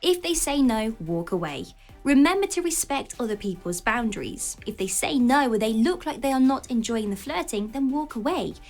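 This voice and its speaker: A woman reading scripted dating advice as a voice-over, in an expressive style that slows down on each heading. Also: fairly high pitch, faint music behind. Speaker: channel narrator.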